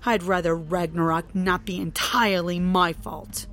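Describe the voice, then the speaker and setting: A woman's voice: fairly low pitch, a little slow. Woman playing Trixie, a sullen bitter daughter. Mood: furious. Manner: sullen, then sharp and scornful. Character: Trixie, bitter young woman defying her father.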